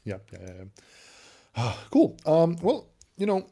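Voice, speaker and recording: A man's voice: on the high side, huge pitch swings, slow pace, dark tone. A man with a Serbian accent, a native Serbian speaker, co-hosting a casual tech stream. He chats loosely, laughs often, and repeats words while he hunts for the right one.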